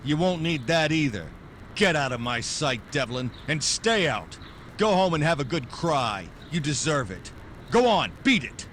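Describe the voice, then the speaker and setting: A man's voice: fairly high pitch, sing-song, measured pace, background noise. A man playing a tough, sardonic private detective in 1940s noir radio style, with clipped, threatening wisecracks. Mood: hard, scornful. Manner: clipped wisecracking, hard-edged delivery. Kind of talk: 1940s noir radio drama acting, first-person narration.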